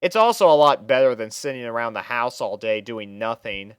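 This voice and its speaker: A man's voice: mid-range voice, animated, moderate pace, a bit bright, clean tone, no echo, clean studio sound. A young man reading a scripted first-person fan story as narrator, in a conversational storytelling manner. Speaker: narrator and reader playing the first-person lead.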